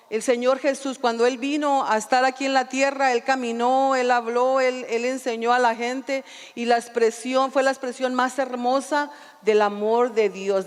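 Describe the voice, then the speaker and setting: A woman pastor preaching a sermon and reading scripture aloud, often calling out for amens and restarting her phrases. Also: a little high. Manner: calls for amens, frequent restarts. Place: church sanctuary. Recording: long reverb in a church hall.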